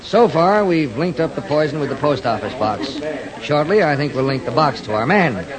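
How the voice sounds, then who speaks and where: An actor playing a calm, methodical police lieutenant in a 1940s radio drama, firm and businesslike. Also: male voice, a little high, moderate pace, a crowd in the background, natural voice, low-quality recording.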